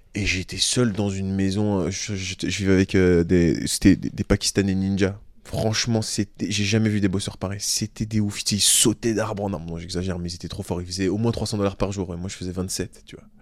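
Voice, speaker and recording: A man's fairly low voice, monotone and flat, at a fairly quick pace with hardly any pauses. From France, grew up in a housing estate. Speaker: adventurer, traveller. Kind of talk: casual chat.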